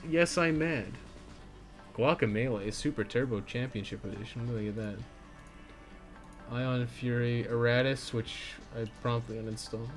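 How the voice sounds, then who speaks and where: Canadian guy streamer just rambling to chat, kinda sweary and irreverent, medium pitch, some music in the background. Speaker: video game live streamer.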